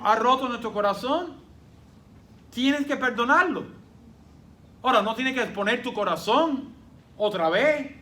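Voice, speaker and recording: High-pitched, bright-voiced male pastor preaching. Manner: emphatic preaching, rhetorical questions; voices imagined congregants in quotes. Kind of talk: sermon.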